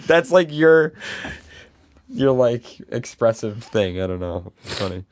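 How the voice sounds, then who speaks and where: A man's voice: mid-range voice, slow pace, dry recording, clean studio sound. A man co-hosting a live podcast, telling rambling stories in casual chat. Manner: rambling, lively storytelling. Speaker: podcast co-host. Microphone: studio microphone.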